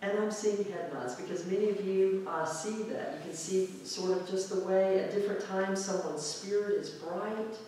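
A male pastor giving a reflective, conversational sermon in a church sanctuary, drawing out key words slowly for emphasis. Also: sits high, steady tone, a little mellow, slight background noise. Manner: reflective, conversational preaching with slow drawn-out emphasis. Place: church sanctuary with pipe organ, indoors. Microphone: far camera at back of sanctuary. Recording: very echoey church hall from far off.

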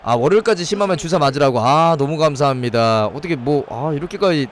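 High, lively man streaming with a cold. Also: fast talker, music in the background. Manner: playful, banters in a mock nightclub-waiter patter; shouts excitedly at chances on goal. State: head cold, sore throat. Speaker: game streamer. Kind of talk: live gameplay commentary.

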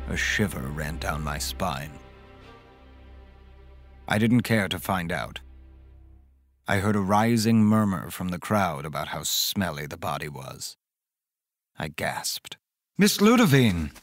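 A haunted, caring man telling his own horror story. His voice is low, and he speaks with measured drama and reflection. Music plays softly beneath the narration. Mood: concerned. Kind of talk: first-person horror audio drama narration. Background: music underneath.

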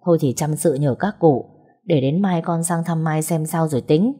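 Woman narrator doing a kind, joking young man, low mellow voice. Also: steady tone, normal speed, slightly rough. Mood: polite. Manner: joking, polite to parents. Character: young man, cheeky and caring.

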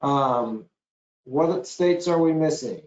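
A man's voice: medium pitch, animated, slow, a little mellow. Man moderating, roomy dull audio. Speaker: session moderator. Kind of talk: informal moderating of an online meeting.

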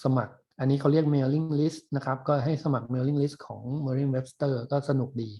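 A man's voice: medium pitch, little pitch movement, unhurried, mellow. A man in his forties teaching an online university class, explaining in a casual, rambling way with many fillers. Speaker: university lecturer.

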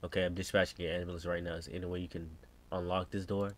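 An American man voicing a brisk, insistent emergency dispatcher in a horror game, businesslike and questioning. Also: low-pitched, flat delivery, lightly acted. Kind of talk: reading game subtitles as dialogue.

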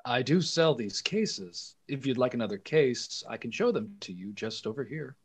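A polite jeweler in a radio play, real salesy, voice swings up and down a lot. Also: male voice, medium pitch, lively intonation, moderate pace. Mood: apologetic, obliging. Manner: courteous, smooth salesman's patter. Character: polite, salesy male jeweler pushing his wares.

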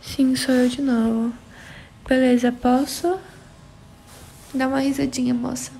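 A young woman from Brazil with a São Paulo accent hosts a relaxed phone livestream, greeting viewers by name as she reads their comments. Her voice sits high but barely moves, with a gravelly edge. She speaks slowly, with a faint hiss behind her. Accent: São Paulo Portuguese. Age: young adult. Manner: laid-back, answers viewers by name. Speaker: livestream host. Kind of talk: casual live chat reading viewer comments.

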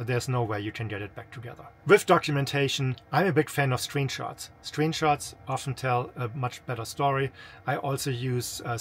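A man in his fifties with a non-native English accent, a senior manager giving informal, explanatory advice to camera in a conversational way. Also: medium pitch. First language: not English. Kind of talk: informal instructional talk to camera. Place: small camper interior.

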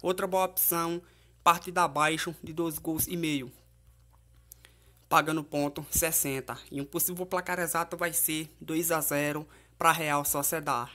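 A man's voice: a little high, flat delivery, measured pace, bright, forceful tone. A man with a Brazilian accent presenting informal football betting previews as a tipster, in a conversational way with frequent tag questions. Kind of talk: informal match preview and betting tips commentary.

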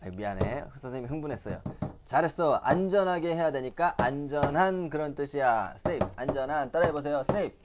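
A man's voice: on the high side, lively intonation, fairly quick, noisy background. Cheerful man teaching kids English words. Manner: cheerful, coaxing quiz questions, frequent chuckles. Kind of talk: playful vocabulary lesson for young children.

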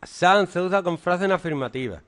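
A middle-aged man with a Spanish accent, teaching an English grammar lesson to a class in a joking, deliberate way. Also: sits high. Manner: joking, animated, slow and deliberate.

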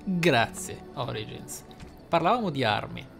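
A man commentating his game playthrough, thinking aloud in a deliberate, theatrical way with dramatic pauses. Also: medium pitch, big pitch swings, vocal fry, fairly bright tone. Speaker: gaming YouTuber, player. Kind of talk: game playthrough commentary with role-play musing. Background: game music.

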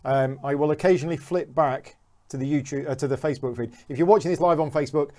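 A man's voice: fairly high pitch, fast talker, darkish tone. A man in his thirties hosting a live-streamed Q&A interview from a home studio, chatty and jokey with frequent fillers. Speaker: host.

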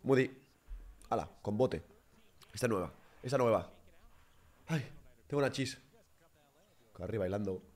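A young man giving excitable live reaction commentary on a basketball game, bursting into shouts. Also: fairly low pitch, measured pace, pauses often.

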